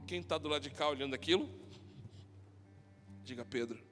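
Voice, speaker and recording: A man, a pastor, preaching a sermon full of personal stories, moving between shouted passages and quiet talk. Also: a little high, moderate pace. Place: church. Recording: long hall reverb with soft music.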